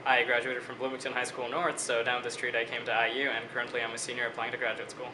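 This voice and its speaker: A man in his twenties from Bangladesh, a student answering interview questions in a measured, reflective way. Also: medium pitch, completely flat delivery, roomy sound, background noise. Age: 20s.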